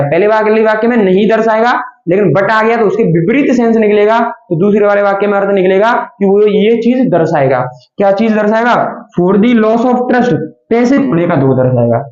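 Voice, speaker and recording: A man's voice: high-pitched, normal speed, darkish tone, reverberant, dull audio. A man teaching an English grammar lesson, asking questions and answering them himself and calling his students children.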